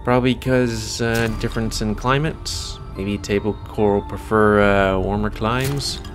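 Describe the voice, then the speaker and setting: A man's voice: on the low side, steady tone, unhurried. An American man giving casual, rambling let's play commentary with wry asides. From United States. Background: video game music.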